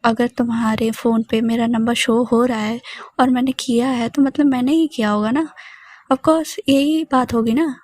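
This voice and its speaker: A prickly female teacher who bristles and denies being angry, as a woman narrator puts her on, her voice a little high with a flat, level melody. She snaps back defensively in a storybook reading. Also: normal speed, dry recording, clean studio sound, natural voice. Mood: snappish. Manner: snappish, defensive. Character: touchy jealous female teacher, sulking.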